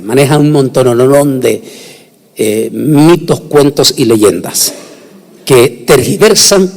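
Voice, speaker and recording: A man preaching a sermon, emphatic, with sudden rises in pitch and frequent restarts. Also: a little mellow. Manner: emphatic, rising and falling delivery with restarts. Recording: long hall reverb.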